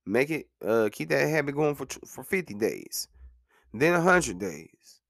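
A man in his late thirties, hosting a podcast and speaking in a relaxed, conversational way. He repeats himself with motivational drive to hammer a point home, at a middle pitch. The sound is dry and close, with no room echo. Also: measured pace, gravelly. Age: 30s. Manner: conversational, says "man" and "you know what I'm saying". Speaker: podcast host. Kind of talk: casual monologue.

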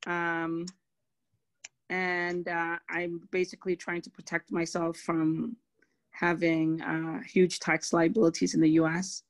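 A woman's voice: lowish voice, flat delivery, slow. A woman in her forties, a Somali American caller on a video call, explaining her plans hesitantly with frequent restarts.

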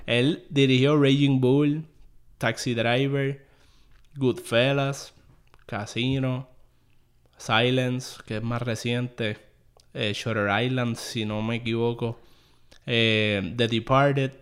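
A man's voice: medium pitch, steady tone, slow, pauses often, smooth. A man hosting a podcast in a loose, easygoing chat. He rambles from point to point and drops English phrases into his as he goes. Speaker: podcast host. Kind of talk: casual chat.

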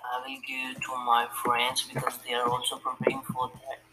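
A university student in an online chat, mostly answering with short, quiet agreements. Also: mid-range voice, completely flat delivery, brisk, background noise. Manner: brief agreeing replies, quiet.

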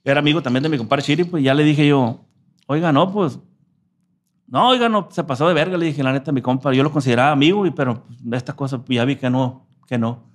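A man's voice: mid-range voice, fast talker. A man from telling a story in a casual interview, slangy and profane. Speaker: musician guest.

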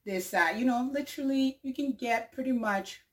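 A woman's voice: a little high, moderate pace. Upbeat woman hosting her vlog. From Liberia. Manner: upbeat, repeats herself, many fillers. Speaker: vlog host and singer. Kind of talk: casual talk to camera. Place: Canada.

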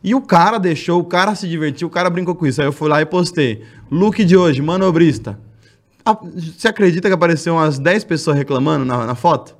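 Man, somewhat high pitch, animated storyteller, casual podcast chat. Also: fairly quick. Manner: animated storyteller, laughs often. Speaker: guest.

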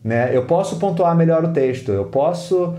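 Man, Brazilian Portuguese accent, explanatory teacher, fairly high voice, dark mellow tone. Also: expressive, normal speed, reverberant, slight background noise. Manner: explanatory, acts out students' inner voices. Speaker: English teacher, guest. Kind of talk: podcast interview.

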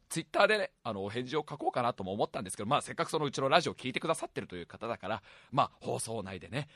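A man with a hoarse, raspy, strained voice hosting a casual solo radio show in a lively storytelling way. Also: medium pitch, no echo, clean studio sound. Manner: animated, laughs at his own stories. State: strained voice, holding volume down.

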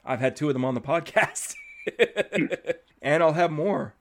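A man's voice: on the high side, lively intonation, unhurried. Chatty man hosting a podcast. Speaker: podcast host. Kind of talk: casual interview chat.

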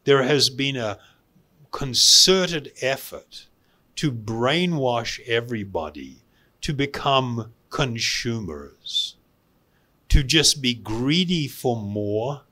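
A man giving a spiritual lecture as a teacher, speaking deliberately with pauses and repeating phrases for emphasis. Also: mid-range voice, a bit bright. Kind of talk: spiritual lecture to a live audience.

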